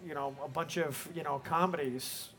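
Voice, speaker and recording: A man's voice: fairly high pitch, steady tone, normal speed, fairly bright tone. A man, a film director on a panel, answering audience questions in a loose, rambling way, leaning often on "you know". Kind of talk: live Q&A answers.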